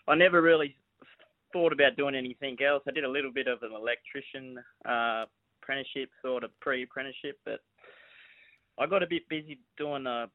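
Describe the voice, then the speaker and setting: A young Australian man talks casually about his riding life in a relaxed, modest way. His voice comes through a thin, phone-like line. The sound is dry and close. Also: mid-range voice, dry recording. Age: young adult. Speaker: apprentice jockey. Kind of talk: casual chat.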